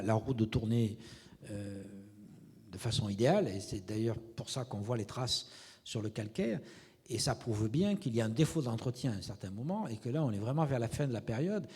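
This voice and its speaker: A man leading a seminar, asking measured questions and thinking aloud about the findings. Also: medium pitch, a little mellow, breathy edge. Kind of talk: academic discussion. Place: lecture hall. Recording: reverberant lecture hall.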